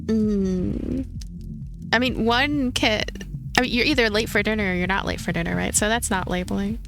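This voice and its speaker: A woman's voice: mid-range voice, normal speed, gravelly. A woman hosting a let's play, giving casual commentary and thinking aloud as she goes. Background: game music.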